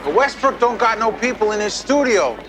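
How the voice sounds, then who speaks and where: Gruff-mannered slangy doorman, high swooping voice, old tv drama, people in background. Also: big pitch swings, a little fast, crowd noise. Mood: brusque. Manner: slangy, ungrammatical. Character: brusque, uneducated male studio doorman. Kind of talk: television drama dialogue.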